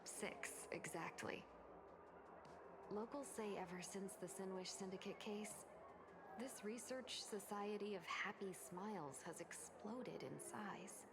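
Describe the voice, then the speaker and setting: A woman's voice: medium pitch, unhurried, lightly acted. A woman playing a poised, shrewd game character who speaks politely and thoughtfully, with deference. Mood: thoughtful, inquiring. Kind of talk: video game voice acting. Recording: loud background noise and ambience.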